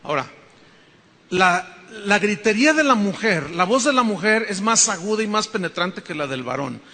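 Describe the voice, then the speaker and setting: Mexican male pastor preaching in a church, high and piercingly bright, his voice ringing through the hall, joking and emphatic. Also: expressive, normal speed. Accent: Mexican Spanish. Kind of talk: sermon.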